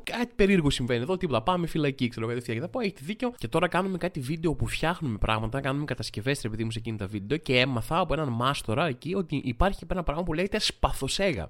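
Rambling, self-mocking young man. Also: fairly high pitch. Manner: rambling, self-mocking, acts out quoted voices. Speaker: podcast host. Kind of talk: casual comedic monologue.

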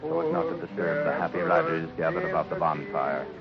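A man narrating a 1950s radio drama in a solemn, theatrical style with deliberate phrasing. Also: very deep voice, big pitch swings. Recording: dull old radio, loud music behind.

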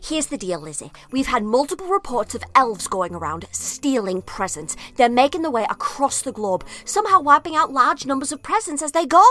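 A woman playing an excitable, playful time-travelling leader in a dramatised story, chatty and eager. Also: high voice, a little fast, few pauses, soft background music, heavily acted. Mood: earnest, eager.

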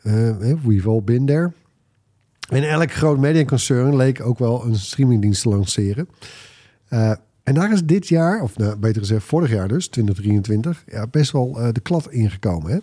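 Mellow man, halting podcast chat. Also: mid-range voice, lively intonation, husky. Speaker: podcast panelist. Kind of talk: casual opinionated chat.

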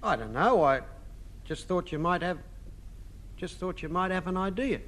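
An actor playing a hapless, dim-witted sidekick in a 1950s radio sitcom, talking slowly and simply. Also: male voice, high voice, animated, a bit bright. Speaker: comic sidekick. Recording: noisy old radio broadcast.

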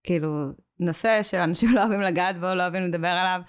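Smooth-voiced woman, hesitant. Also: lowish voice. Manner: hesitant, frequent filler sounds and restarts. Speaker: community worker, guest. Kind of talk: podcast interview conversation.

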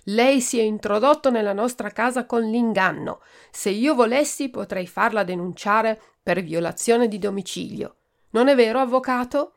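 A haughty noblewoman scolds with loud indignation, as a woman reads her aloud. Her voice is raised and lifted in pitch, with a gravelly edge. She is a storybook figure, proud and offended. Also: normal speed, close to an everyday voice. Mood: indignant.

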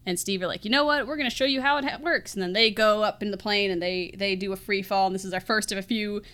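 A woman's voice: medium pitch, fast talker, a bit bright, clean tone. A woman hosting a film podcast, chatting casually through a movie scene by scene and often laughing as she talks. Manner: giggly, laughs often while talking.

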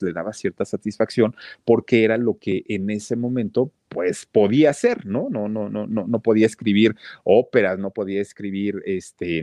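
A man's voice: fairly low pitch, darkish tone, no echo. Mexican man telling a story. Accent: Mexican Spanish. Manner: chatty, many fillers and restarts. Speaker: podcast host. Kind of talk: storytelling podcast narration.

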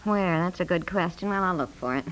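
An actress playing a practical, soothing married housewife in a naturalistic 1950s radio comedy-drama. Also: female voice, fairly low pitch, a little fast, fairly bright tone, natural voice, poor audio. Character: practical, chatty married housewife and mother, gently apologetic.

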